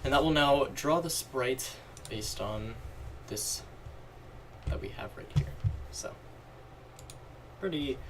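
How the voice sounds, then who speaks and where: A man's voice: medium pitch, slow, background noise. A man losing his voice a little, casually talking through a coding walkthrough, thinking aloud and correcting himself as he types. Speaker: programming tutorial host. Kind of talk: screen-recorded coding walkthrough. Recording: distant mic with loud keyboard clatter. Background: keyboard typing and mouse clicks.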